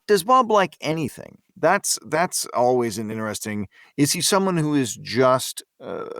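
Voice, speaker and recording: A man chatting casually as a voice actor guest on a podcast, thinking aloud with halting, repeated phrases. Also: mid-range voice, a bit bright, no room sound, clean studio sound. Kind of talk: casual group discussion.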